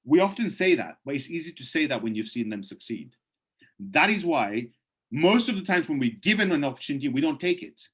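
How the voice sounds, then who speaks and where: A man presenting on a video call and then answering chat questions. He is persuasive and emphatic, pushes his voice up sharply on key points, and sounds hoarse, clearing his throat from time to time. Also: on the high side, very animated, a little fast. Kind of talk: webinar presentation with live Q&A.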